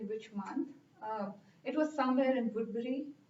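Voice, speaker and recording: A woman with a strong Indian accent speaks at a fairly high pitch with ordinary pitch variation. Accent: thick Indian. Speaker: club member, job seeker. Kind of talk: interview answer. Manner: halting, many fillers.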